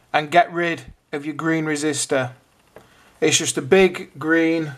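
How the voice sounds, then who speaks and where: A fairly bright tone marks this British hobbyist host, whose voice sits slightly high. He narrates a casual how-to video, taking the steps one at a time and explaining them in everyday language.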